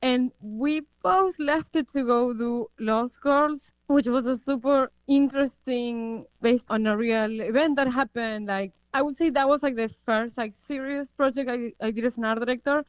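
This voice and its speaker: A woman's voice: fairly high pitch, steady tone, moderate pace, hardly any pauses, clear, resonant tone, no room sound, poor audio. A woman in her thirties from Argentina, a production designer answering interview questions in a reflective way with many fillers and restarts.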